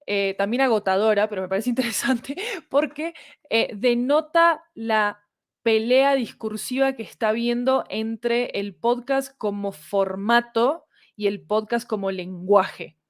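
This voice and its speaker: A woman's voice: fairly high pitch, a little slow, no room sound, clean studio sound. A woman, talking analytically and emphatically as a guest in a casual conversation. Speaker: podcast guest, fiction producer.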